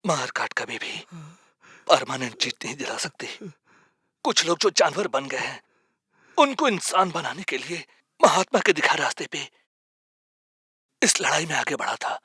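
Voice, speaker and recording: A man's voice: a little high, animated, moderate pace, long pauses, bright, forceful tone, slightly rough, no echo, clean studio sound, heavily acted. A man dubbing an idealistic nonviolent protest leader, pleading earnestly with his followers. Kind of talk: Hindi film dub.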